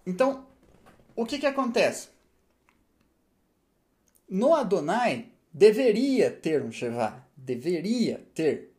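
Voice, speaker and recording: A man's voice: sits high, sing-song, slow, long pauses, a little mellow. A man teaching a language lesson, checking understanding with frequent tag questions and answering his own rhetorical questions. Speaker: Hebrew teacher. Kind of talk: explanatory lesson.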